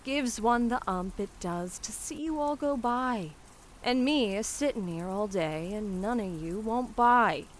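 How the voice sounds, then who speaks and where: A woman voicing a brash, warm-hearted young Cockney flower seller who scolds and hawks her wares in a dramatic poem. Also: a little high, expressive, unhurried, slight background noise, pitched above the performer's own voice, low-quality recording. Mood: scolding, exasperated. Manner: street-hawker cries, scolding and dropping h's. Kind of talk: dramatic poetry performance.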